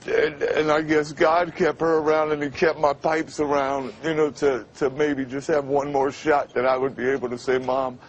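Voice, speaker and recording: A man in his fifties from Brooklyn, a guest on a live TV interview, speaking in a halting, emotional way with many restarts. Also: a little high, little pitch movement, muffled recording, slight background noise. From Brooklyn, New York. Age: 50s.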